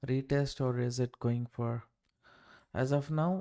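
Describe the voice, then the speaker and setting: A man speaks with a South Indian accent in a dark, mellow tone and fairly even intonation. The sound is dry and close, with no echo. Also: very clean recording, silent background. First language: Kannada or Tamil. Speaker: crypto trading streamer. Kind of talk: live trading stream commentary. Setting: live stream. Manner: hesitant, many fillers.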